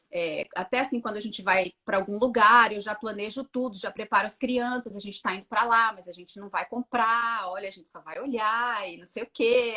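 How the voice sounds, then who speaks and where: A woman in her thirties, a mother telling her story on a casual live chat, acting out her own words with lively energy. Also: fairly high pitch. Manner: animated storytelling, acts out her own quotes. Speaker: guest, mother of two.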